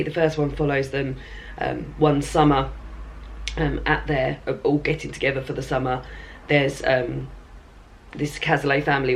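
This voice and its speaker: A hoarse woman with a chesty cough, chatting casually to camera in a rambling reading vlog from her bed at home, with plenty of ums and throat clearing. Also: low voice, a little hiss or hum. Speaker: book vlogger.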